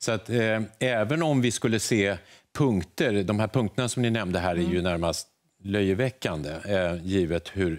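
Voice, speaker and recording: Against a quiet background, a man speaks at a fairly low pitch and a moderate pace, with ordinary pitch variation and very even loudness. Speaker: guest, former politician. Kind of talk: interview answer. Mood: serious, critical. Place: studio.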